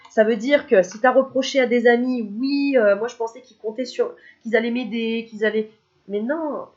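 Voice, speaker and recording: A woman's voice: on the high side, highs cut off. A woman with a cold, a spiritual medium giving a casual card reading to her viewers, chatty and joking, laughing often. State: has a cold.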